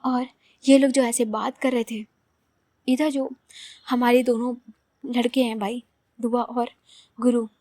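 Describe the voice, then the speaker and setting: A woman's voice: fairly high pitch, level tone, slow pace, pauses often, mellow, no echo. A woman narrating a romance story in a chatty, loose way full of fillers.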